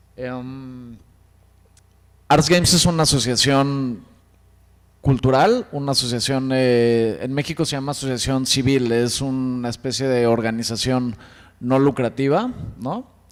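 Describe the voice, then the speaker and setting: A man at a medium pitch and a fairly slow pace, with fairly even intonation and long, frequent pauses. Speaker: conference speaker. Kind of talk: lecture. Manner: halting.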